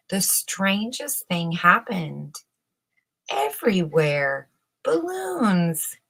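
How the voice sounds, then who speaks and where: A woman reading a children's bedtime story aloud in a measured, dramatic storyteller's manner with emphatic phrasing. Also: mid-range voice, a bit bright. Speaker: storybook reader.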